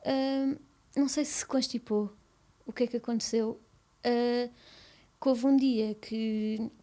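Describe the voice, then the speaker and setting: A young woman with a European Portuguese accent, speaking softly and haltingly in a personal interview, with many restarts. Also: fairly high pitch. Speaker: guest.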